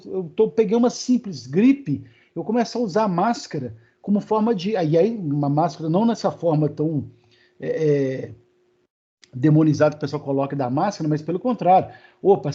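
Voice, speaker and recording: A man's voice: high-pitched, mellow, breathy edge. Chatty Brazilian man lecturing online. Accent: Brazilian Portuguese. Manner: conversational, many fillers and check-ins with students. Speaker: university lecturer. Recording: dull, lo-fi online class audio.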